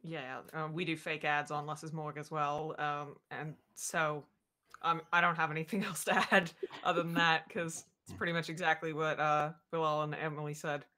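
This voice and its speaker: Female panelist, bright forward tone, informal remote conversation. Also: low voice, level tone, normal speed. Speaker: panelist, podcast writer. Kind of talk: casual panel discussion. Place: indoor room, video call.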